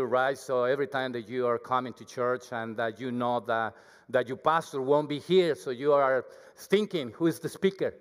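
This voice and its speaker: A man with a thick Mexican accent, Spanish his first language, preaching a humble, chatty sermon as a guest speaker. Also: mid-range voice. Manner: humble, self-deprecating, chatty with the congregation. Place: church. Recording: hall reverb.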